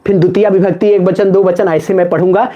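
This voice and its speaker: High-voiced man chanting Sanskrit lessons. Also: level tone, fast talker, muffled recording. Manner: chants word forms in a sing-song rhythm; playful, banters with viewers in chat. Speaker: Sanskrit teacher. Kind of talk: live online exam-prep class.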